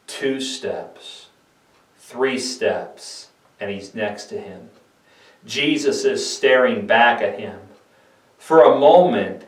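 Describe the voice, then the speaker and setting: A man giving a scripted, dramatic narration of a Bible story with emphatic, theatrical delivery. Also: mid-range voice. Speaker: pastor, narrator. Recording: echoey room, distant microphone.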